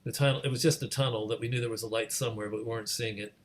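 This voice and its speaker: A man hosting a conversational interview over a video call, halting as he repeats and rephrases his questions. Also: mid-range voice, steady tone. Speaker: host of an online gathering.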